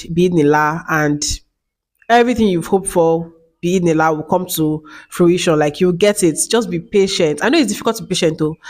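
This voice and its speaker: A woman's voice: lowish voice, darkish tone. A woman in her late twenties talking casually to camera as a vlogger, chatty and repeating herself, with many fillers. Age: 20s.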